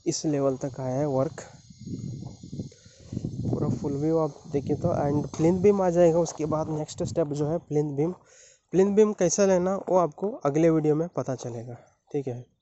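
A man's voice: a little high, moderate pace, muffled recording, background noise. A young man talking casually through a walking tour of a construction site, mixing Hindi and English with fillers, recorded outdoors on a handheld phone. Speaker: civil engineering vlogger. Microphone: phone held at arm's length.

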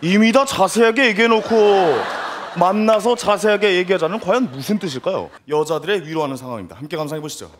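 A man's voice: high-pitched, lively intonation, fairly quick. A man narrating a sketch comedy segment in a mock-serious tone, asking rhetorical questions with laughing asides. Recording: live studio stage with audience and noise. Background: audience crowd.

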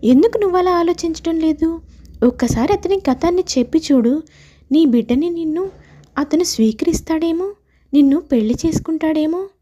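A woman voicing a protective, persuasive young woman who speaks frankly and insistently for her friend in an animated moral story. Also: very high-pitched, normal speed, lo-fi sound, voice pushed up. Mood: urging.

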